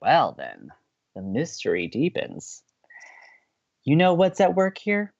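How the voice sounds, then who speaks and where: An actor playing a romantic, excitable young man who co-hosts college radio in an audio drama, earnest and expressive. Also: on the high side, takes it slowly, creaky, dull audio, full character voice. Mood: excited, playful. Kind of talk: naturalistic audio drama acting.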